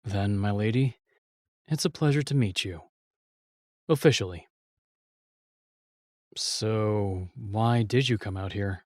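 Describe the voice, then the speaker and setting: An actor playing a reluctant royal knight, curt and sighing but guardedly kind, in an intimate fantasy audio drama. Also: male voice, lowish voice, slow pace, long pauses, darkish tone, no room sound, studio quality. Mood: dry, resigned.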